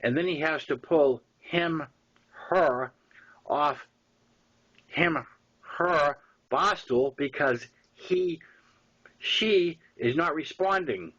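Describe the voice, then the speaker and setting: A man with a Boston accent reading his own story aloud in an informal way, with halting, emphatic repeats and wry asides. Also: fairly high pitch, a bit bright. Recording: dull lo-fi audio.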